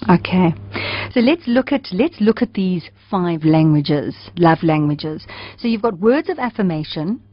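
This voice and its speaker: A woman's voice: lowish voice, expressive, measured pace, few pauses, dull audio. A woman with a South African English accent, hosting a radio interview and asking questions with hesitant repeated words.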